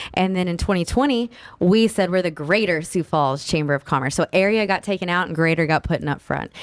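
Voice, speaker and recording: A woman with a Texas accent talks at a fairly quick pace. Her pitch is fairly low, with ordinary pitch variation. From South Texas (Olivia, between Houston and Corpus Christi). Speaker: chamber of commerce executive. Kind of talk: casual chat.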